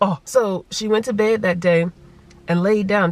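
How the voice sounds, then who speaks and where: Amid noticeable background noise, a woman speaks in an animated tone with ordinary pitch variation. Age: 40s. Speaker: vlogger. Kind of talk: casual vlog monologue. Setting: in a car. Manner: animated, moves hands a lot; occasional stuttering and word-finding pauses.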